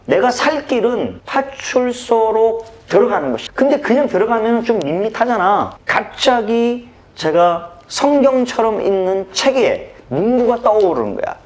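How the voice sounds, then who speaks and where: A man from Busan tells a personal story in a dramatic, expressive way. His voice sits high for a man and swoops widely in pitch. He talks like a speech coach winning over a crowd. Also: unhurried, few pauses. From Busan, South Korea. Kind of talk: animated storytelling talk.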